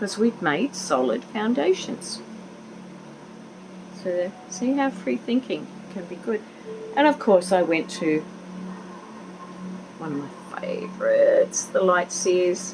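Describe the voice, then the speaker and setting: Very slowly and with long, frequent pauses, a woman with an Australian accent speaks at medium pitch with lively intonation over noticeable background noise. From Queensland, Australia. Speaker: tarot reader. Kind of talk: casual talk to camera.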